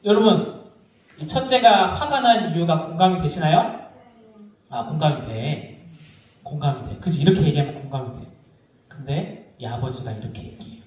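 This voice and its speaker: A man preaching a children's sermon, telling the story in an animated way and asking his listeners questions. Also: fairly high pitch, moderate pace, long pauses, highs cut off. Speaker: junior pastor. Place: church sanctuary. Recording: echoey church hall, mic far off.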